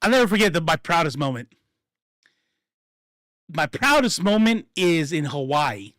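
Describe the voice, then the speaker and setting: A man telling stories in casual chat, profane and animated, acting out what people said. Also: on the high side, measured pace, dry recording, studio quality. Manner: profane, animated, acts out quotes.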